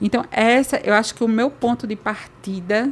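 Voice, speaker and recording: Speaking in a northeastern Brazilian accent, a woman keeps a moderate pace. Her pitch is fairly high, with ordinary variation. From Northeast Brazil, Recife, Pernambuco. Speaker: people and business strategist. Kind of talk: interview.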